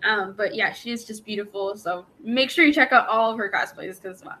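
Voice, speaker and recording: A woman guest on a podcast, chatting and gushing warmly about her friends' cosplays. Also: mid-range voice, a little hiss or hum. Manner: gushing, chatty, quick laughs. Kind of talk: casual podcast chat.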